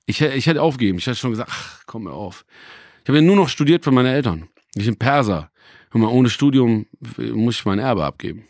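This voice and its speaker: A man in his thirties talks in a loose, rambling way, full of fillers and restarts, with joking asides. His pitch sits at an ordinary middle level. The sound is dry and close, with no room around it. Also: animated, quick pace, darkish tone, dry recording. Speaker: hip-hop journalist. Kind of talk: casual chat.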